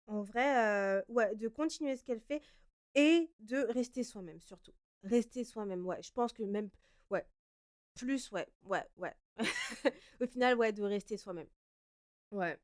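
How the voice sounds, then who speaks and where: A young woman from France hosting her own podcast, answering listener questions in a relaxed, chatty way with frequent fillers and self-corrections. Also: medium pitch, smooth. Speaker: podcast host. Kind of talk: casual solo Q&A podcast.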